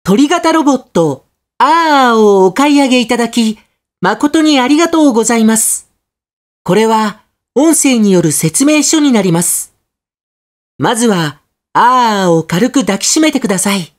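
Guy doing a high animated narrator voice, polite product guide read, really swoopy. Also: normal speed. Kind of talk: scripted narration demo.

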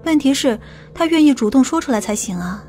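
A woman's voice: sits high, expressive, brisk, a little mellow, faint music behind. A woman playing a stern, impatient police detective in an audiobook drama.

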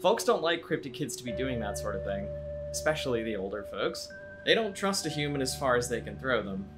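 Lively, frank small-town young guy played by a man. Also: medium pitch, brisk, music in the background, close to an everyday voice. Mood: frank, casual. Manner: casual, folksy, frank. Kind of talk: audio drama dialogue.

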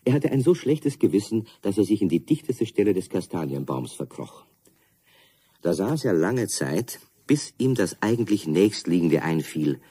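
Children's storyteller, low husky voice, mellow, expressive scripted narration. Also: male voice, moderate pace. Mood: storytelling. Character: calm storyteller of a children's tale.

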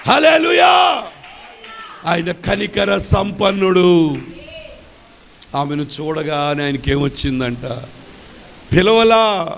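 A male pastor preaching a sermon, swinging between shouted, sung exclamations and soft, tender speech. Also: a little high, takes it slowly, pauses often, a faint crowd, a little hiss or hum.

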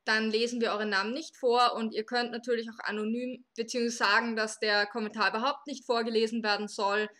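A person in their late twenties from Austria hosting a live podcast, explaining the rules at length with small fillers. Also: female voice, on the high side, little pitch movement, fast talker, few pauses, bright, forceful tone. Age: 20s. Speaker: podcast host.

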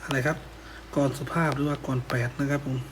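A man's voice: a little high, completely flat delivery, fast talker, a little hiss or hum. A man teaching a worksheet answer lesson, politely ending his phrases, and reciting a poem in a lilting chant. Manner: polite, ends phrases with "ครับผม".

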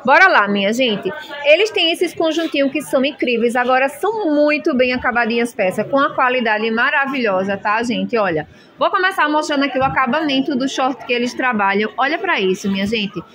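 A woman's voice: high-pitched, lively intonation, a little fast, fairly bright tone. A woman filming a chatty, gushing shopping vlog, showing clothes in a shop. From Brazil. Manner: gushing, chatty, constant "minha gente". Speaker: shopping vlogger. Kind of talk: enthusiastic product showcase. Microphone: handheld phone camera.

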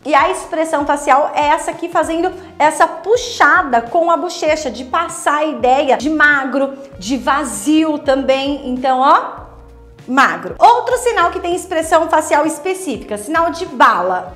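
A woman's voice: sits high, fairly bright tone, reverberant. A woman teaching sign language in a video lesson, explaining step by step and speaking straight to the viewer.

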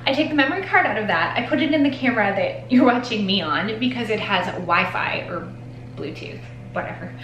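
A woman's voice: mid-range voice, animated, a little fast, a bit bright, roomy sound, highs cut off, a little hiss or hum. A woman in her forties vlogging casually from her nail studio, rambling and self-deprecating as she talks to the camera. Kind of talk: casual vlog chat. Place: home nail studio with shelves of polish.

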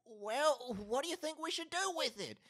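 A man's voice: very high voice, expressive, normal speed, a bit bright. A man playing a folksy, easily alarmed farmer father in an amateur audio drama. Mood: puzzled.

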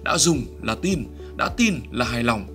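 A man's voice: medium pitch, animated, moderate pace, a bit bright. A man reading a scripted commercial voice-over as an advert announcer. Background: music.

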